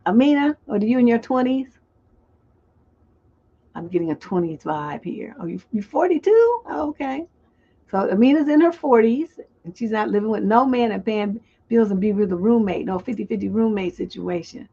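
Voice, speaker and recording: A woman's voice: medium pitch, lively intonation, moderate pace, gravelly, dark tone. A woman relationship coach hosting a live call-in stream, chatting loosely and reading viewers' comments aloud. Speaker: relationship coach and show host. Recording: dull lo-fi stream audio.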